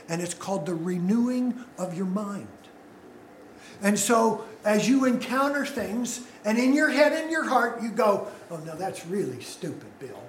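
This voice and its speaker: Male pastor, sermon, slow and unhurried, echoey sanctuary. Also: sits high, slight background noise. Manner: unhurried, asks the congregation questions.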